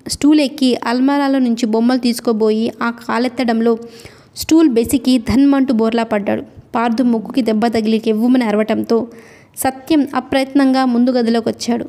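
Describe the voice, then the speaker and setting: A woman reads a novel aloud in steady storytelling narration. Her voice sits a little high, with a mellow, warm tone. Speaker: audiobook narrator.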